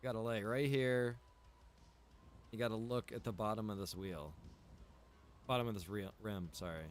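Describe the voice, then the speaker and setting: A man's voice: fairly low pitch, steady tone, normal speed, a little hiss or hum. A man giving casual, rambling livestream commentary while gaming, repeating phrases for emphasis. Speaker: game streamer and roleplay server co-owner.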